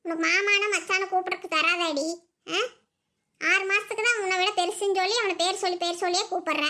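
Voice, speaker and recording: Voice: very high voice, fairly even intonation, brisk, sharp tone. A voice actor playing a bossy, scolding old village mother-in-law in a cartoon. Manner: scolding, nagging. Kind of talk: cartoon voice acting.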